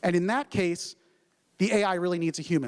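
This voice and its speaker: A man with a Philadelphia accent speaks fairly quickly in a high voice. The sound is dry and close with no echo, very clean, with a silent background. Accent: Philadelphia accent, noticeable. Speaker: conversational AI company executive. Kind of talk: conference keynote.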